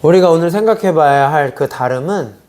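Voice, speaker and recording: A man's voice: fairly high pitch, lively intonation, fairly quick, a little mellow. Middle-aged male preacher, youth service sermon, chatty tone, keeps asking the room questions. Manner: conversational preaching with rhetorical questions. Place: church sanctuary.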